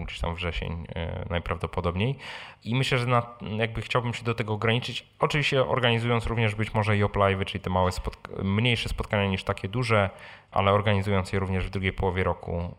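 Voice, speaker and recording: At a live event before an audience, a man hosts a Q&A on personal finance, answering questions informally, repeating words and often tacking on short tag questions. His voice is low and a bit bright.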